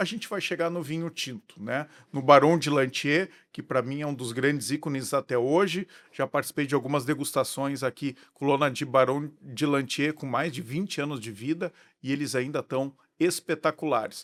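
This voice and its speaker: On a very clean recording with a silent background and a dry, close sound with no echo, a man with an ordinary speaking voice talks at a moderate pace at a fairly high pitch with ordinary pitch variation. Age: 50s. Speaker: podcast host. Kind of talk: interview.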